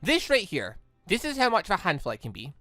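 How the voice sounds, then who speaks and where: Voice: medium pitch, wildly swooping pitch, fast, bright, forceful tone, no echo, soft background music. A gaming host voicing a flustered, haughty, short-tempered teenage heiress in an anime game, stammering and scolding. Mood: nervous, earnest.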